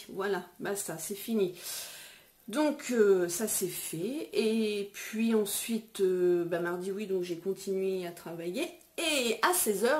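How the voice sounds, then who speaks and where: A middle-aged woman vlogger chatting casually, retelling a story in an animated way with many fillers. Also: mid-range voice. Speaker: beauty vlogger.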